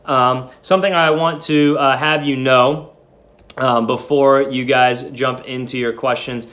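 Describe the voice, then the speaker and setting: A man's voice: medium pitch, fairly bright tone. A man speaking as a teacher, reading a story aloud and explaining it informally.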